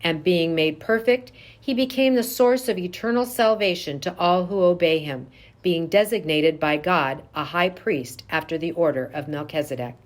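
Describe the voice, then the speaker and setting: A woman reading scripture aloud as a church reader, formal and measured. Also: on the low side.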